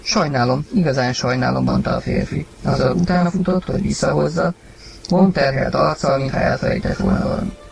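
A man reading a story aloud, narrating and acting the husband's lines with sudden loud outbursts. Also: medium pitch, gravelly, faint music behind. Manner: acted, rising to shouts in heated lines. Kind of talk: dramatized audiobook reading.

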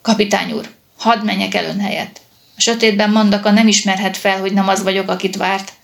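A woman's voice: medium pitch, steady tone, creaky, close to an everyday voice. A woman reading the lines of an eager, hot-headed young male lieutenant in an audiobook.

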